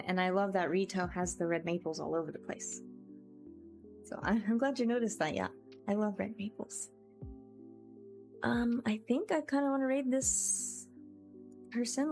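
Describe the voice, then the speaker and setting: Female livestream host, gentle and chatty, mid-range voice, casual delivery over background music. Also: medium pitch. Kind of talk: casual chat to livestream viewers.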